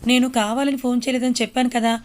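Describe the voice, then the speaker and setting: A woman's voice: on the high side, little pitch movement, quick pace, slight background noise, close to an everyday voice. A woman voicing a young housewife and mother who answers a stranger curtly and with irritation. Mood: irritated. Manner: curt, irritated.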